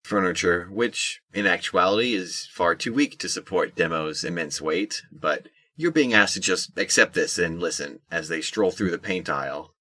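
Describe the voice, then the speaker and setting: A man's voice: low-pitched, animated, normal speed, few pauses, pushed and bright. A man reading scripted narration for an audio drama.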